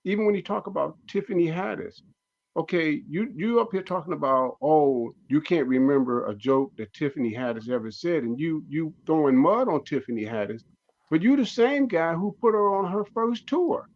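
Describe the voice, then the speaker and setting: An older man in his sixties talks forcefully and repeats his points as he makes an argument. His voice sits a touch high for a man. The sound is dull and lo-fi. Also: lively intonation, normal speed. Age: 60s. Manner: emphatic, preachy, repeats phrases. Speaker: guest comedian and actor. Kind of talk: casual radio talk show discussion.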